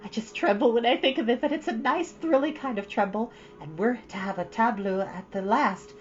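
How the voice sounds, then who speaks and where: Woman voicing an eager, high-pitched chattering young girl. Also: normal speed, dull audio, soft background music, natural voice. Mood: gushing, dramatic. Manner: breathless, gushing, theatrical. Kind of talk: storybook character voice.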